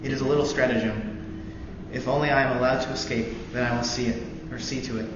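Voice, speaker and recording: Live in an echoey hall, a young man with a medium-pitched voice, a student veteran, reads from a novel. Fillers riddle his halting introduction, and then he moves into a steady, earnest reading. The recording sounds dull, noisy, and lo-fi.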